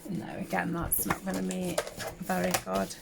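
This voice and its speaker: A woman with a sore throat from a summer cold and a slightly hoarse voice, chatting casually and rambling with many fillers as she works through a craft tutorial at home. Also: fairly low pitch, monotone, moderate pace, very noisy. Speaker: craft channel host.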